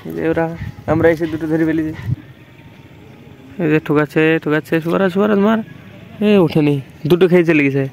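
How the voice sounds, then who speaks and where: High-voiced man vlogging outdoors. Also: fairly quick, creaky, pauses often, a little mellow, slight background noise. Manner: chatty, talks to camera while walking. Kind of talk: casual outdoor vlog narration. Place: outdoors by a river.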